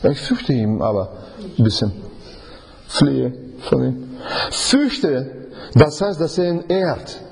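Animated man teaching a Bible study. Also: mid-range voice, slow, creaky, pauses often, a little hiss or hum. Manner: animated, quizzes the audience, acts out scenes; non-native German with grammar slips. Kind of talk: conversational Bible study sermon.

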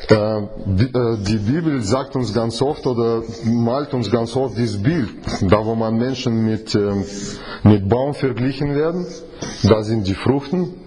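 Warm and fairly low, the man's voice carries an informal sermon to his Bible study group. He speaks haltingly, restarting frequently and using many fillers, and he asks rhetorical questions as he goes.

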